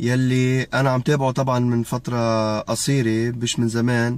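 The delivery is very slow and monotone, with flat intonation. The sound is dry, with no echo. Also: man. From southern Lebanon, Hasbaya district; southern Lebanon. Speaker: Lebanese expatriate activist. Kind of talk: political video message. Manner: impassioned. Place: car. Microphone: phone near.

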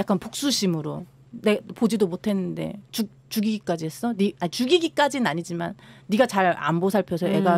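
A woman's lively intonation in a dry sound with no echo. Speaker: legal commentator or radio guest. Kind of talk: radio talk explanation. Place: studio. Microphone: studio mic.

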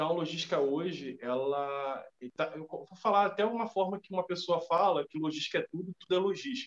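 A high-pitched man with lively intonation, a fairly quick pace and big swings in loudness, over a quiet background. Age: 40s. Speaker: logistics educator and entrepreneur; interview guest. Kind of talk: casual interview. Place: home room. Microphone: video call.

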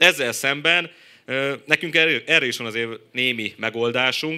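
A man speaks at a moderate pace in a medium-pitched voice with a bright, sharp tone and ordinary pitch variation. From Hungary. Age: 30s. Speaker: youth movement leader; panel discussant. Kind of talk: panel discussion. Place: tent. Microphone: handheld.

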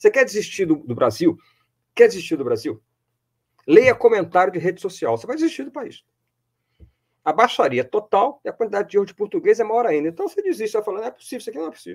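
A man's volume rises and falls in big swings. He talks at a very fast pace. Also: quiet background. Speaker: business school professor. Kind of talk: lecture. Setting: live online webinar. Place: home room. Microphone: webcam.

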